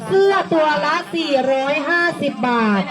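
A woman's voice: sits high, moderate pace. A woman hosting a live fashion show as a seller, hyping the items and repeating prices and praise. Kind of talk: live fashion show commentary selling products. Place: busy live community event. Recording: loud music and crowd, event PA.

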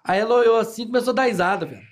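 A man's voice: very high voice, racing. A man rambling through crude stories in a casual podcast chat, full of slang fillers. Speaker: podcast guest.

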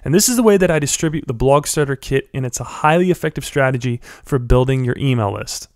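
A young man with a stuffy head cold, giving friendly step-by-step instructions in a software tutorial voice-over. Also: mid-range voice, animated, fast, no room sound, clean studio sound. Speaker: blogger teaching a software tutorial. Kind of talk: screen-recorded tutorial voice-over.

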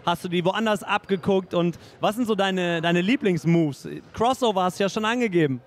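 A man's voice: sits high, moderate pace. A middle-aged man hosting a sports interview in an upbeat, chatty way, speaking into a handheld mic. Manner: upbeat, chatty, says "nice" and "ähm" a lot. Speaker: host, interviewer. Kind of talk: hosted interview and announcements. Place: indoor studio in front of a sponsor wall.

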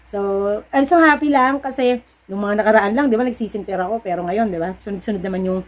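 A woman's voice: mid-range voice, quick pace. Filipina lady vlogger, middle-aged, chatty storytelling, kinda preachy pep talk to her followers. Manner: chatty, storytelling with acted-out dialogue. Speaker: vlogger and sari-sari store owner. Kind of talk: casual chat to viewers.

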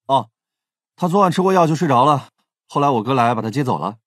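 An actor playing a teasing, confident young police team leader in an audio drama. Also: male voice, mid-range voice, animated, fast, a bit bright, no room sound, clean studio sound. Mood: brisk, commanding. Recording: faint music under the voice.

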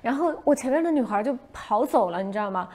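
A young woman tells a story on a casual livestream. Her voice sits a little high, and she brings the story to life by acting out the shouts she gave. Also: quick pace. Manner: animated, acts out her own past shouts. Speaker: livestream host.

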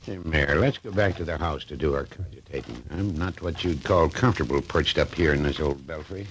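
An actor playing a wary, grumbling older country doctor in a 1940s radio drama, with a dry rural drawl. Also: male voice, very deep voice, fairly quick. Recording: noisy old radio broadcast.

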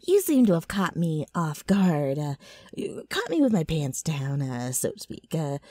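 A brash, scheming ghoul talks straight to the listener in an ASMR roleplay. Her voice is low and very husky, with rambling patter that swings widely in pitch. She clears her throat and trips over her own sales pitch. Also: very animated, unhurried, warm tone, no echo, studio quality, full character voice. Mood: flustered, flirty. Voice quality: rough, raspy. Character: gross, brash, scheming female ghoul ghost.

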